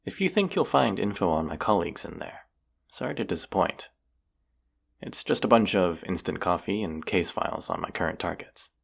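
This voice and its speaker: A man's voice: low voice, expressive, normal speed, gravelly, breathy edge, heavily acted. A man playing a stubborn, injured vampire hunter in an audio drama, grumbling sarcastic banter. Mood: dry, defiant. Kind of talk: scripted roleplay audio drama.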